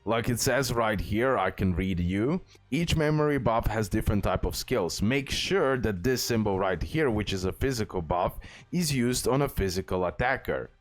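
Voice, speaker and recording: A man with a fairly low voice hosts a casual game guide over background music. He explains things off the cuff, step by step, and often checks in to make sure the listener follows. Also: animated, moderate pace. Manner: explanatory, repeatedly checking in with "okay?".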